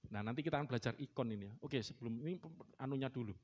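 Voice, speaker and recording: A man's voice: mid-range voice, racing, a little mellow, highs cut off. A middle-aged man preaching a sermon in a church, joking with the congregation and imitating animal sounds. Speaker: pastor. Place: church hall.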